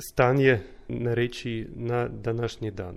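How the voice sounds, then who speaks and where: The speaker is a man with a medium pitch. The background is quiet. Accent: Russian. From Russia. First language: Russian (speaking Slovenian). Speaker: linguist researcher. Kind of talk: interview.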